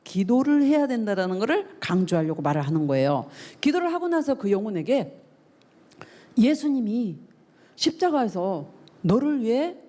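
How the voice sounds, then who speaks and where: Lively, mellow-voiced woman pastor. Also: fairly high pitch, normal speed. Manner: asks the youth questions, acts out quoted voices. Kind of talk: youth sermon. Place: church service.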